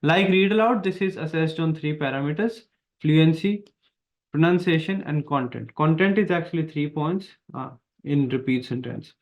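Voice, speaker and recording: A man with an Indian accent, an exam prep teacher explaining test tasks in an online lesson, speaking emphatically and repeating his key points. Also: a little high. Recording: dull lo-fi sound.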